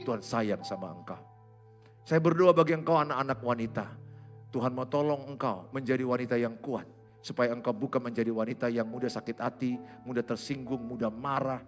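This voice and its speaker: A man, a pastor preaching a sermon in a church hall, animated and given to sudden loud exclamations. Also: medium pitch.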